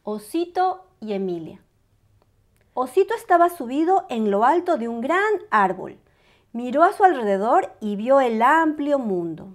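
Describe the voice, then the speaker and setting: A woman reading a storybook aloud to young children in a bright, sing-song, welcoming manner. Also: high-pitched, big pitch swings, normal speed.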